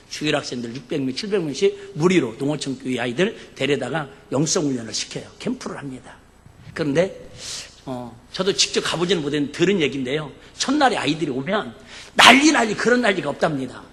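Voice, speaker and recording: An animated male pastor preaching with sharp, bright energy, joking back and forth with his congregation and breaking into shouts. His high, lively voice rings through a reverberant church sanctuary. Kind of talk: sermon. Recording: echoey church hall.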